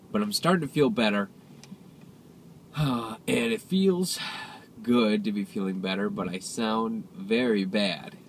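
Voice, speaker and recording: A young man with a nasal, congested voice from a cold, chatting casually and rambling while filming himself in his car. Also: lowish voice. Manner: rambling, chatty, self-deprecating. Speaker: vlogger. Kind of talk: casual driving vlog. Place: inside a moving car. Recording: loud road and engine noise.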